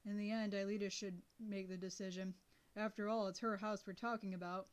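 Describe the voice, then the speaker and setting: A woman's voice: mid-range voice, flat delivery, brisk, close to an everyday voice. A woman voicing a blunt, skeptical teenage boy in close to her own voice. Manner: dry, incredulous.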